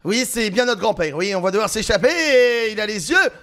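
A man with a French accent giving excited gameplay commentary, exclaiming and laughing often as he plays. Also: high voice, brisk. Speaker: gaming YouTuber.

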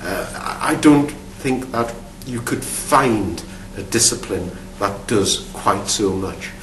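An archaeology professor in his fifties from Newcastle upon Tyne, England, answers interview questions to camera in a Geordie accent, thoughtful and often restarting or repeating words. His voice is on the low side, a bit bright, expressive, and slow. He's in a studio with a dark backdrop, recorded on a distant mic with roomy sound and faint hum.

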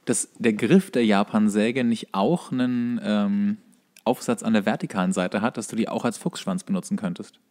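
A man's voice: lowish voice, fairly even intonation, moderate pace, a little mellow. A man chatting casually as a podcast co-host. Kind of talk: casual chat.

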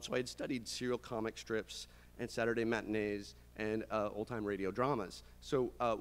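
Hesitant man presenting in an echoing hall. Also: medium pitch. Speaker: game writer and studio co-founder presenting. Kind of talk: conference presentation. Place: medium conference room, indoors. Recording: reverberant conference room, clear background noise.

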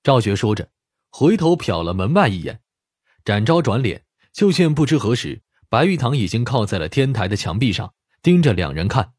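Audiobook narrator, male, dramatic scripted delivery, breathy edge, widely moving pitch. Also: very animated, normal speed, a little mellow, no echo, studio quality.

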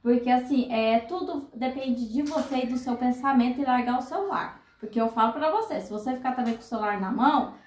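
Woman, Brazilian Portuguese accent, thirties, high voice, chatty and emotional, crochet vlog host, echoey room. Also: a little fast, hardly any pauses, a little mellow. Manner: chatty, emotional, addresses viewers as girls. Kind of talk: casual storytelling to viewers.

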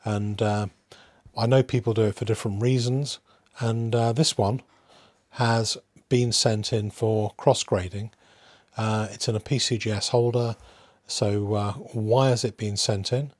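A man hosting a hobby video in a casual, unscripted way, musing aloud with hesitant pauses. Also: lowish voice, fairly even intonation, darkish tone, dry recording. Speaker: host of a coin collecting channel.

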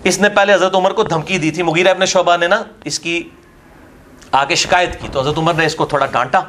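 This high-voiced scholar, with a Pakistani Urdu accent, fields questions at an academy in a polemical lecture, talking a little fast in a steady tone. Forceful and contemptuous, he piles on arguments against a rival's claims. A slight hiss or hum sits under the recording.

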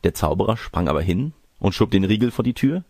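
Ein Mann, der als Erzähler ein Märchen nach Skript vorträgt. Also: male voice, lowish voice, sing-song, fairly quick, vocal fry, darkish tone, breathy edge, no room sound, clean studio sound. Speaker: narrator. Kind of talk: scripted fairy-tale narration.

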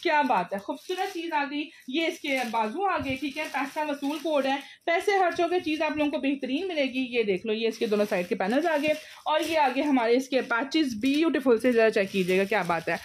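A woman with a high-pitched voice and a Pakistani accent sells clothing live. Her delivery is an overeager teleshopping pitch, exclamatory and repetitive, pushing listeners to order. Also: lively intonation, a little fast, slight background noise. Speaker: live online clothing seller.

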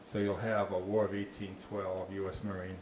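A low-pitched man speaks in a monotone at a moderate pace: a park ranger with a Boston accent, handheld mic in hand, giving a chatty informal talk with audience questions, full of restarts and dry wit. The small, dark meeting room has a slide screen, and the audio is echoey with a little noise.

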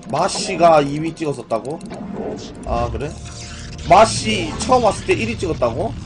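High-pitched man live-streaming with strained throat. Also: expressive, normal speed. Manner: informal, repeatedly questioning and addressing viewers. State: strained throat, voice in poor condition. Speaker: live-stream host, gaming broadcaster. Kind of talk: casual live-stream chat with viewers. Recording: music playing behind the voice. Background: music, keyboard typing.

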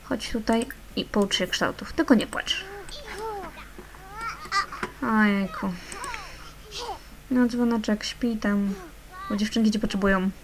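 A woman's voice: mid-range voice, fairly even intonation, slow, long pauses. A young woman hosting a gaming channel, chatting casually over her play and fondly coaxing the little characters along. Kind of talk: casual let's-play commentary.

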